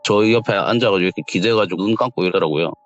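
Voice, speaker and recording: A man's voice: low voice, racing. Man telling a ghost story. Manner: casual, conversational, quietly dramatic. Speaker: guest storyteller. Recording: lo-fi audio with faint music.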